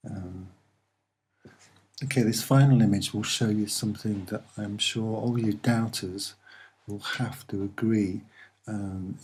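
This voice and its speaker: A soft-spoken man with a slightly husky voice, presenting and explaining images in an unhurried, earnest way with hesitant pauses. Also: fairly low pitch. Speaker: online video presenter.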